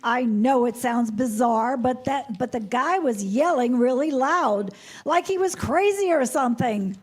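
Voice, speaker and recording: A woman's voice: sits high, lively intonation, unhurried, husky, exaggerated voice. A woman playing an earnest, dutiful security guard in a staged comedy reading, with an apologetic manner. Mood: flustered.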